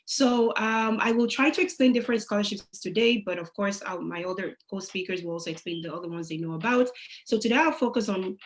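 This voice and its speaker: A young woman from Nigeria, mid-pitched. She talks chattily and eagerly, with lots of "like" and "you know". She is heard over a video call. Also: brisk. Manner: chatty, enthusiastic, uses "like" often. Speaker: guest speaker. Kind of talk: casual presentation.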